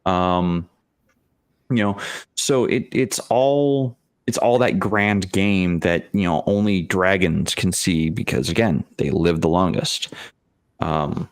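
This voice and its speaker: A man in a casual tabletop gaming discussion, speaking as a game master and explaining things in a halting, rambling way with repeated phrases. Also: low-pitched, dry recording, clean studio sound.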